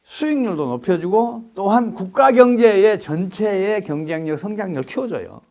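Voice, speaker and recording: A man's voice: sits high, animated, moderate pace, darkish tone. A man, an economics expert, giving emphatic interview answers full of rhetorical questions.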